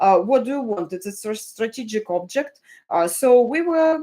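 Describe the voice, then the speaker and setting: A woman speaks with a Russian accent. Her pitch swings very widely. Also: very clean recording, silent background. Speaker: journalist and analyst. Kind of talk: livestream commentary. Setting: livestream from home. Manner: halting, many fillers.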